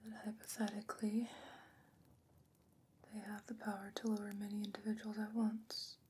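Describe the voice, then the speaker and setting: A woman playing a concerned, candid fantasy scholar in a whispered ASMR roleplay, speaking in a deliberate, musing way. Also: mid-range voice, completely flat delivery, darkish tone, breathy edge. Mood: hushed musing. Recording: noticeable background noise and ambience.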